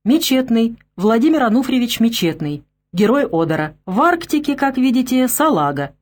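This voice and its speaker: Female narrator as a jolly joking man, bouncy lively pitch. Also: moderate pace, heavily acted. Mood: jovial. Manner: cheerful, joking.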